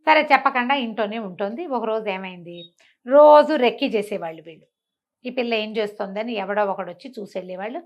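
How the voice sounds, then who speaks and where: A woman telling a comic folk tale in an animated, conversational way, often repeating phrases. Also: medium pitch, a little fast. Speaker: storyteller.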